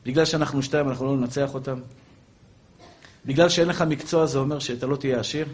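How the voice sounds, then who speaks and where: A man's voice: medium pitch, fairly even intonation. A man, a rabbi giving an impassioned religious sermon, addressing his listeners directly.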